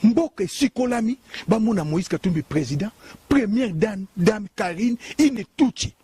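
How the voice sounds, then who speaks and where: A man's voice: sits high, lively intonation, normal speed, dark tone, husky. A man with a Congolese accent, a bishop giving a heated, emphatic, repetitive political monologue.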